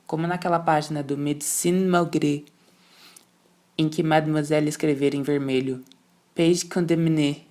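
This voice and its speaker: A teenage student with a Brazilian Portuguese accent reads a short story aloud for a school audiobook. The delivery is steady but stumbles now and then, breaking off and restarting words. The voice has a gravelly, creaky texture. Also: medium pitch. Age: teens. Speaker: student reader. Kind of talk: amateur audiobook narration.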